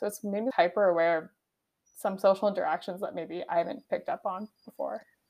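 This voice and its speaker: Very fast speech comes from a woman at a medium pitch. Her pitch variation is ordinary. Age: 20s. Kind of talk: casual chat.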